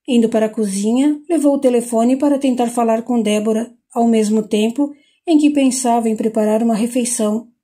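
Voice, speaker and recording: A woman with a Brazilian Portuguese accent reads an audiobook aloud in scripted narration. Her voice is fairly high yet mellow and dark-toned, and she keeps an even, unhurried pace. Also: husky.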